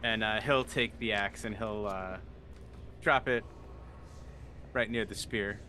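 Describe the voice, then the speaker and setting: A man's voice: lowish voice, steady tone, slow, pushed and bright, slight background noise. A man talking casually as a player in a role-playing game.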